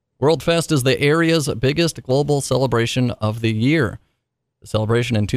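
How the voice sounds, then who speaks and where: This is a plain, everyday voice from a man talking at a fairly quick pace with ordinary pitch variation. The recording is very clean, with a silent background. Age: 30s. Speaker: radio host. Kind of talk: casual chat. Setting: studio.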